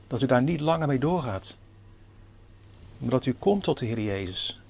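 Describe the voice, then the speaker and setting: A man's voice: mid-range voice, lively intonation, moderate pace, gravelly, a little mellow, breathy edge. Man, preacher, earnest sermon, direct questions to congregation, scripture reading. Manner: reads scripture in old-fashioned formal Dutch.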